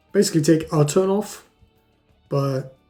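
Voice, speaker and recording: The talking unfolds at a fairly slow pace while music runs in the background. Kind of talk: casual gameplay commentary.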